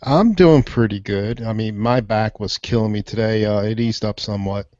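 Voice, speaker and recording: A man's voice: lowish voice, moderate pace, darkish tone, dry recording. A man co-hosting a tech podcast, easygoing and laughing easily in casual chat. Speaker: podcast co-host. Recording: dry, slightly dull home recording.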